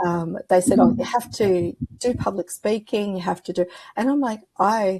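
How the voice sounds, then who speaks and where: A woman with an Australian accent talks at medium pitch and a moderate pace, with ordinary pitch variation. Her tone is dark and mellow, and somewhat breathy. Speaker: life coach. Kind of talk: casual chat.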